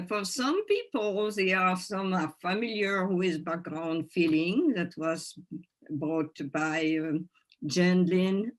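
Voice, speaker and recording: A woman with a French accent, a native French speaker, gives an informal teaching talk to a group, searching for words in her second language. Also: fairly low pitch. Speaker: workshop presenter.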